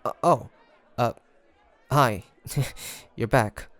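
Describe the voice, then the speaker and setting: A man's voice: mid-range voice, drawn-out words, a bit bright, some chatter behind. A man playing a young demon hunter in an audio roleplay, flustered and haunted, speaking in hesitant, stammering phrases. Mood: flustered, sheepish. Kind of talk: scripted audio roleplay monologue.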